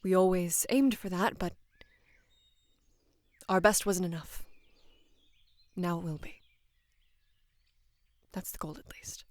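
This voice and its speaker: A young woman in her twenties playing a devoted female knight in love with her queen, speaking hesitantly and deferentially in a soft, breathy voice for intimate roleplay audio. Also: fairly low pitch, dry recording. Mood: earnest, determined. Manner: hesitant, halting, deferential, earnest.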